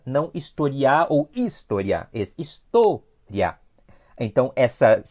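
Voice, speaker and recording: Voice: medium pitch, a little mellow. A teacher with a Brazilian Portuguese accent gives an online review class. They explain step by step, repeat key points and often stop to check in with a questioning "sim?". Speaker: Spanish teacher.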